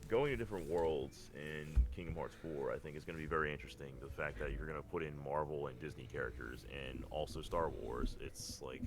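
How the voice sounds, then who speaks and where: With a rumbling low voice, this man talks fairly quickly and barely pauses while co-hosting a podcast. He's rambling and enthusiastic, chatting like a fan about games and cartoons.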